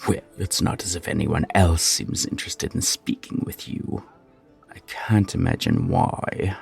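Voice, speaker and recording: An actor playing a sneering, scheming sorcerer in a fantasy audio drama, haughty and drawling, with a gravelly, husky voice. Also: male voice, sits low, big pitch swings, unhurried, soft background music, full character voice. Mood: haughty disdain.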